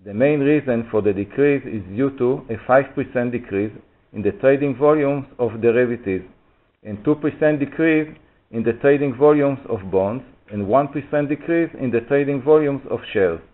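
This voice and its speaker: A man's voice: medium pitch, moderate pace. A man giving a formal, orderly scripted presentation of financial figures on a conference call. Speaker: finance executive presenting results. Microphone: conference call phone line. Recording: tinny, narrow phone line.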